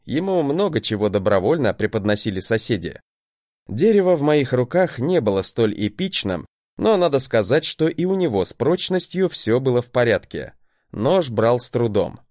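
A man's voice: medium pitch, darkish tone, no echo, studio quality. A man giving a wry, conversational first-person audiobook narration.

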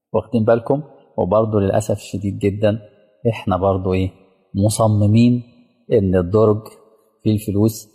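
A low-voiced, gravelly Egyptian preacher talks at a fast clip and keeps asking his listeners whether they follow him. His dark, husky tone rings out with a long tail of hall echo. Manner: engaging, asks the audience rhetorical questions. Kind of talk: colloquial religious lecture with storytelling. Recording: reverberant hall sound.

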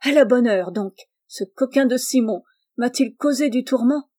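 A bluff, impulsive male farmer, gruff and full of exclamations, as a woman reader voices him. The voice sits fairly high, with a mellow, dark tone and audiobook reading. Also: normal speed, close to an everyday voice.

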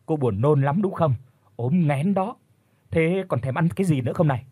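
A man voicing a brisk, cheerful neighbor woman, a mother of three, in an audio story. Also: a little high, expressive, dark tone, husky, no room sound. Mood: delighted. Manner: exclaiming, teasing.

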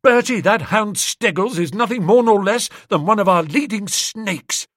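A man voicing an agitated young man who rushes out indignant complaints. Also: sits high, animated, a bit bright, no room sound, studio quality, pitched above the performer's own voice. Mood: bitter.

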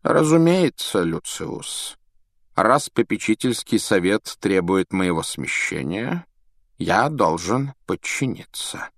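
A man voicing an old, wise headmaster who speaks slowly, politely and deliberately. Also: lowish voice, very animated, no room sound, clean studio sound, full character voice. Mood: firm. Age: older.

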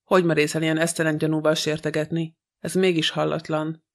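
An indignant French lady protests in a shrill voice, as a male audiobook reader puts her on. The voice sits a little high. Its tone stays flat and even. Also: lightly acted. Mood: outraged. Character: indignant, frightened middle-aged French woman.

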